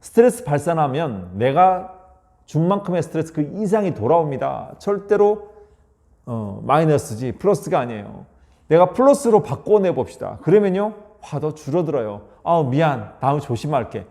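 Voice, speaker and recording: A man's voice: big pitch swings, normal speed, gravelly, warm tone. A man giving a lecture on communication between married couples, acting out short spousal exchanges and often asking listeners to agree. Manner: acts out short spousal dialogues with exaggerated pitch; frequently seeks agreement from listeners. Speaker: leadership lecturer.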